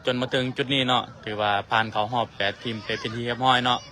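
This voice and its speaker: A man with a Lao accent hosting a livestream, formally thanking sponsors and officials in a measured way. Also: mid-range voice, flat delivery, crowd noise. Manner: formal and measured, full of tag particles. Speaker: livestream host.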